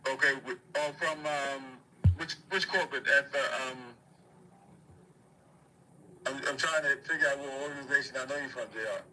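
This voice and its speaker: A man with a very bright, forceful voice talks over a phone played on speaker. He is polite and guarded, asking questions in a measured way. There is faint noise on the line. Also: medium pitch, steady tone, rough recording. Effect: telephone. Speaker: prank call recipient, market manager.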